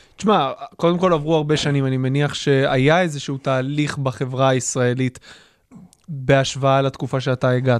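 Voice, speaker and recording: A man speaks in a plain, everyday voice, fairly high in pitch with fairly even intonation. His moderate pace comes through a dry, close sound with no echo. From Israel, Haifa area. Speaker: podcast host and stand-up comedian. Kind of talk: casual interview chat.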